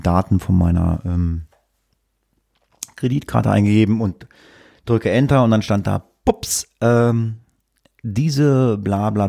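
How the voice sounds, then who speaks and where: Male podcast co-host, low and husky, spins a loose chatty anecdote with lots of ums. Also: dark tone, no echo, studio quality. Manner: rambling anecdote full of fillers, acts out the dialogue. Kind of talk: casual storytelling chat.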